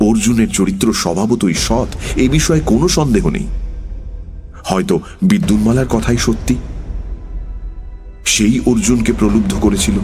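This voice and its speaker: A man narrating a historical story as an audiobook, measured and unhurried. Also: on the low side, darkish tone.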